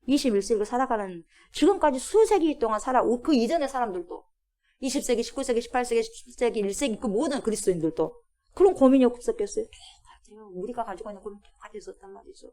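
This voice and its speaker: A woman's voice: on the high side, darkish tone. A woman pastor preaching at a Friday prayer service. She asks the congregation questions and drops to a whisper at times. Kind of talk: sermon. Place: church.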